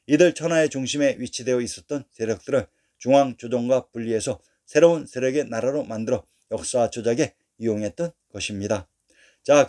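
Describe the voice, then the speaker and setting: Man, mellow voice, scripted history narration, formal, steady, list-like reading. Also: medium pitch. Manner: formal, steady reading of dates and place names.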